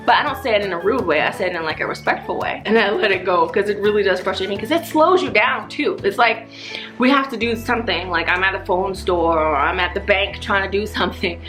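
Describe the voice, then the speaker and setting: A woman vlogger who is a native English speaker, telling stories casually in an animated, slangy way and acting out dialogue. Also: mid-range voice, a little fast, soft background music. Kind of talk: casual chat to camera, storytelling.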